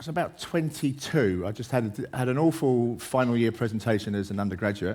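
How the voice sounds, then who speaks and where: A man's medium-pitched voice at a fairly quick pace, on a very clean recording with a silent background. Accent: English. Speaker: professor, author giving a talk. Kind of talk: public talk. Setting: stage with audience. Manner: hesitant, many fillers.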